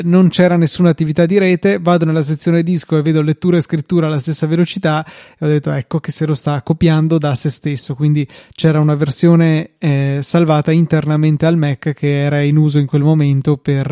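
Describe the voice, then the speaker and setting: A man's voice: fairly high pitch, flat delivery, brisk, dark tone, smooth, no echo, studio quality. A man with an Italian accent hosting a podcast, talking through tech matters in a conversational way. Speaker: podcast host. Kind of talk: conversational tech commentary, reading out listener mail.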